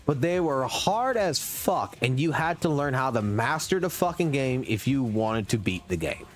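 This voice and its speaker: A man's voice: mid-range voice, sing-song, moderate pace, soft background music. A man in his thirties ranting profanely and emphatically on a casual gaming livestream, talking into a desk mic at a home streaming setup. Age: 30s.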